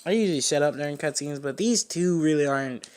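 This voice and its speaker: A man's voice: on the high side, quick pace, clear, resonant tone. A fourteen-year-old boy giving casual, rambling and opinionated commentary as he plays a video game. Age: 14, teenager. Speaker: gamer narrating a playthrough. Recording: game music behind the voice. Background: video game music.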